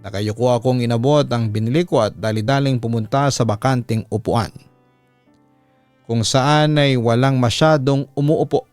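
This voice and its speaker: A man's voice: mid-range voice, a little mellow, no room sound. A man with a Filipino accent reading a listener's letter aloud as a storytelling host, in first-person dramatic narration.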